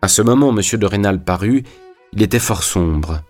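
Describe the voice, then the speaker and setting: Low-voiced man reading a novel. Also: animated, normal speed, soft background music. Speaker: audiobook reader. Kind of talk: scripted novel narration.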